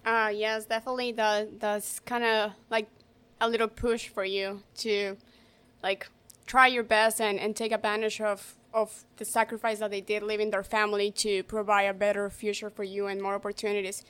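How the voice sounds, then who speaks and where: A woman in her thirties from Colombia, speaking as a guest in a soft-spoken, halting way with small English slips. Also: medium pitch, little pitch movement, smooth. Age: 30s. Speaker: guest, real estate entrepreneur. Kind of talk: casual interview.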